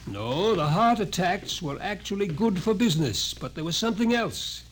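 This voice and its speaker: In a noisy old 1950s radio drama recording, a man plays a grave, insistent doctor, lecturing emphatically with an ominous, intense and knowing air. His voice is high and animated at a moderate pace.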